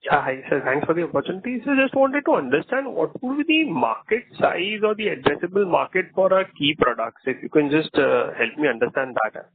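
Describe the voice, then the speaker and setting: A man's voice: on the high side, big pitch swings, a little fast, breathy edge. A man with an Indian accent, a caller politely asking questions on an investor conference call. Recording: narrow dry phone line.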